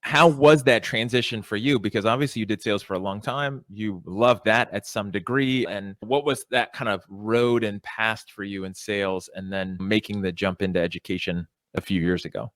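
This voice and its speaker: A man's voice: fairly low pitch, normal speed, hardly any pauses, a bit bright, no room sound. A man hosting an interview podcast, introducing his guest and asking questions in an upbeat, enthusiastic way. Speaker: podcast host.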